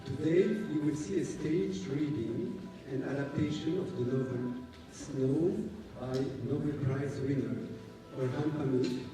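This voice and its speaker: Slow-speaking man in an echoing hall. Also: fairly high pitch. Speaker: co-adapter introducing a staged reading. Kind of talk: formal welcome speech to a live audience. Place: large indoor hall at a public event. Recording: echoey hall, distant mic, music behind.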